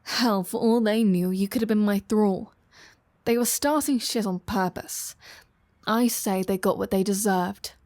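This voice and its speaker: A woman's voice: medium pitch, a little mellow, no echo, lightly acted. A woman playing a flirty, sardonic female vampire in an intimate roleplay audio drama, teasing and casual. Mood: wry, indignant. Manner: teasing, casual, sardonic, with sighs and drawn-out phrasing.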